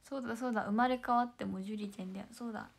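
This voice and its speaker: A young woman chatting casually with viewers on a livestream, bubbly and quick to giggle. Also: fairly high pitch, fairly even intonation, gravelly. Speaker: idol livestreamer.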